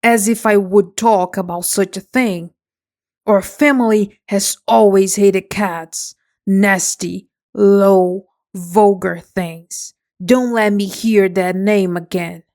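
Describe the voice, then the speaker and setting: A woman voicing a small, touchy mouse who hates cats, with loud, indignant outbursts in a slow storybook reading. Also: mid-range voice, fairly even intonation. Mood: angry.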